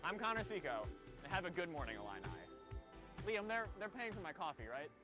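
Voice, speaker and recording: A man's voice: high voice, sing-song, a little fast. A young man, a student reporter, giving a playful, goofy walkthrough of a parade route outdoors on campus. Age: young adult. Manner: playful, goofy, shouting cheers. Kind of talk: upbeat field segment. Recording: music playing behind.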